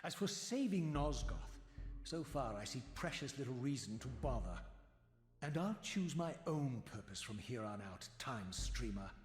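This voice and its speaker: An actor playing a proud, scornful undead spirit of vengeance in a video game, speaking with sardonic, theatrical precision. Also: male voice, medium pitch, very animated, measured pace. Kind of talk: dramatic video game voice acting. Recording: echoey long reverb, game music behind.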